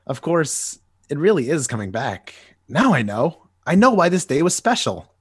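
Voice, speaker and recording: Wistful adult hero, husky, lively up-and-down delivery, dry close mic, read by a man. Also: fairly high pitch, moderate pace, no room sound. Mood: earnest. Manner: wistful, earnest inner monologue. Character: nostalgic grown-up superhero, adult man. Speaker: podcast co-host. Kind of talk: amateur comic dramatic reading.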